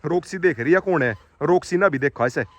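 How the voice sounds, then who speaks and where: A man, talking casually to his viewers while he walks his dog farm and shouts to his dogs. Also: a little high, animated, fairly quick. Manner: calls out loudly to his dogs. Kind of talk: casual vlog commentary.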